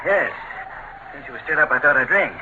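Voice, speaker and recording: An actor playing an old friendly beat cop. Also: male voice, on the high side, lively intonation, fairly quick, close to an everyday voice. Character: older friendly beat patrolman on a cold night. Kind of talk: 1940s radio acting. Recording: dull hissy old radio recording.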